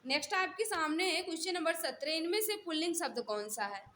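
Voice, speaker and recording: A woman's voice: extremely high pitch, expressive, fast, a bit bright, a little hiss or hum. A woman teacher running a live exam-prep class, reading out questions and repeating them with instructional set phrases. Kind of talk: live mock-test lesson, questions and answers.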